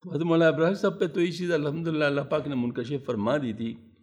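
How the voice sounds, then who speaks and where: A man preaching a sermon in a mosque, speaking calmly and unhurriedly into a microphone without shouting. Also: on the high side. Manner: calm, unhurried, deliberately not shouting. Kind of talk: Islamic sermon. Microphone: loudspeaker microphone.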